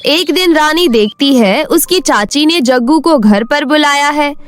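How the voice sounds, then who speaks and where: High-pitched woman storyteller. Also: expressive, unhurried. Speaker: story narrator. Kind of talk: scripted storybook narration.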